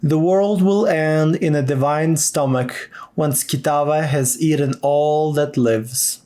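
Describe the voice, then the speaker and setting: An actor playing an earnest tribal chronicler in a video game, narrating lore in a measured way. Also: male voice, on the high side, dark tone. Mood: foreboding.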